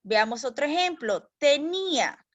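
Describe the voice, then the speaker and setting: A woman's voice: high voice, lively intonation, a little slow. A woman teaching a recorded language lesson for children. She explains step by step, speaks to the pupils fondly and keeps checking that they follow. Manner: patient, explains step by step, calls pupils "mis niños", checks with "¿ya?". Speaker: primary school teacher.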